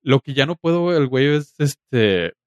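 A man's voice: medium pitch, animated, unhurried, a little mellow, no room sound, highs cut off. Mexican man chatting, very dry close sound. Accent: Mexican Spanish. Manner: colloquial, slangy, joking. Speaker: podcast host. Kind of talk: casual chat.

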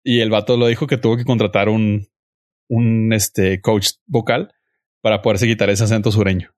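A man's voice: on the low side, little pitch movement, moderate pace, a little mellow, no room sound, studio quality. A young man with a Mexican accent hosting a podcast, chatting casually and insisting on his opinions in slangy terms. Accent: Mexican Spanish. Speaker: podcast host. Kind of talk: casual chat reviewing a series.

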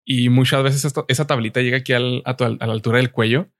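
A man's voice: medium pitch, steady tone, fast talker, no room sound, studio quality. A man, a guest on a casual podcast, talking in crude slang. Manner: slangy and crude, says "güey" constantly.

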